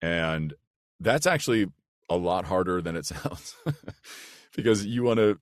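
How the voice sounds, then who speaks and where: A man with a big, low, rich voice who talks earnestly and thoughtfully as a voice actor guest in a casual podcast chat. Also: expressive, measured pace, no room sound, studio quality. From United States. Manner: earnest and reflective, with restarts and "like".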